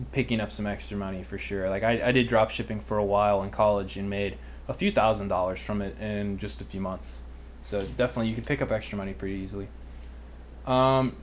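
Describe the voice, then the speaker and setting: A man's voice: fairly low pitch, a little hiss or hum. A man in his twenties with an American accent, chatting casually and informally as he answers viewer questions as a livestream host. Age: 20s. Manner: informal, youthful slangy phrasing. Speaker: online business livestream host and mentor.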